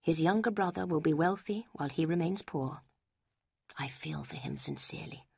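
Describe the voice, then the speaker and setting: A woman putting on a hushed pompous gentleman. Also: low-pitched, moderate pace, creaky, breathy edge, heavily acted. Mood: grave. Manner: grave, hushed, half-whispered. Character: pompous self-satisfied gentleman, brother. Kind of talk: audiobook character reading.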